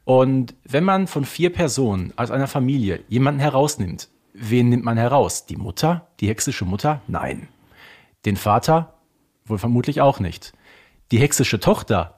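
A man's voice: mid-range voice, expressive, normal speed, a little mellow, slightly rough. A man chatting casually as a podcast guest, making emphatic points and posing rhetorical questions as he explains. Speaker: podcast guest, audio drama collector.

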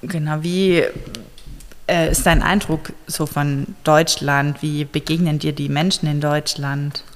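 Low-voiced woman asking gentle questions. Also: steady tone, takes it slowly, big-room sound, slight background noise. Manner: gentle, careful questioning with fillers. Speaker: interviewer. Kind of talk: structured interview questions.

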